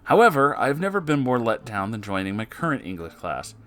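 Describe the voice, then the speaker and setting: A man reading submitted stories aloud in a casual way, breaking in with animated, sarcastic and often sweary commentary. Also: medium pitch, fairly quick. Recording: music behind the voice. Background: music.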